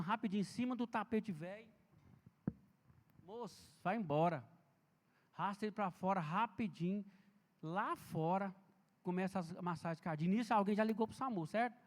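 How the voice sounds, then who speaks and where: A man with a notably high voice gives a chatty, story-filled seminar talk, speaking directly to the listeners. His voice rings with a long reverb off the walls of a large church hall. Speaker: health and safety speaker. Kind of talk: informal seminar lecture.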